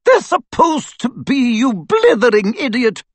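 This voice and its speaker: Brief: fierce older headmistress type, clipped and commanding, read by a man, higher than his own voice. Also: big pitch swings, normal speed, husky, no room sound, full character voice. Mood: furious. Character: stern commanding older Scottish witch professor.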